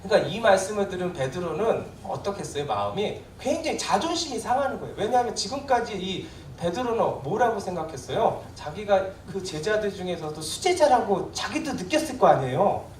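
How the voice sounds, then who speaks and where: A pastor gives a sermon with a lively, rising-and-falling delivery, talking to the congregation as if in conversation and checking in with frequent questions. The voice sits back from the microphone and rings through a reverberant church hall. A faint hiss of room noise stays under it. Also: mid-range voice, brisk, hardly any pauses. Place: church sanctuary. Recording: echoey church hall, voice from a distance.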